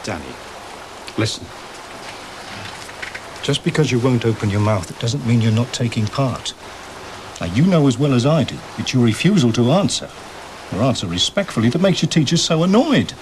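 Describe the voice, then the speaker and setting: An actor playing an exasperated but reasoning senior teacher in a British television drama, with wry, patient reproach. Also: male voice, medium pitch, sing-song, moderate pace, pauses often, background noise, natural voice. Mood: firm reasoning. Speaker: actor in a school drama series.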